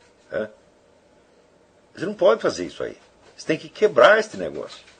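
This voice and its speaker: Noticeable background noise sits under speech delivered fairly quickly. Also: man. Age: 60s. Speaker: teacher. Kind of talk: lecture. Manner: animated.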